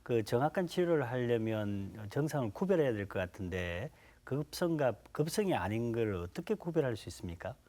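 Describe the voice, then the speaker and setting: A male doctor co-hosts a studio health show and poses questions to the guest. His mid-pitched voice rises and falls in a lively way. His manner is inquisitive. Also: a little fast, hardly any pauses. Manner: inquisitive, frequent murmured agreement. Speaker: resident doctor co-host. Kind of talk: TV health talk, asking questions.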